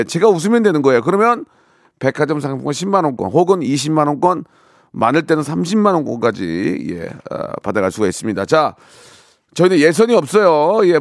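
A man hosting a live radio call-in show, with brisk, teasing, upbeat patter. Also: on the high side, no room sound, clean studio sound. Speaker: radio host. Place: radio studio.

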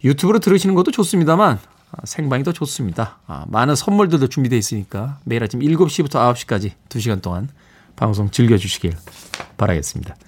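A man's voice: medium pitch, fast, husky. A man from Seoul hosting a morning radio show, reading listener texts playfully with chuckles. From Seoul, South Korea. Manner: lively, playful, chuckles between messages. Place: radio studio.

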